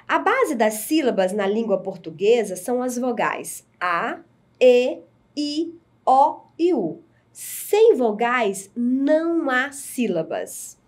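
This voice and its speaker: A woman teacher giving a recorded lesson to adult learners, explaining slowly and clearly. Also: fairly high pitch, big pitch swings. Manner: slow, clear, deliberate explaining.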